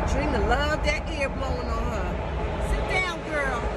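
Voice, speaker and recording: Loud background noise fills the clip. A woman talks through it. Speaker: delivery driver vlogger. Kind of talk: casual vlog chat. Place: car. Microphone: phone near.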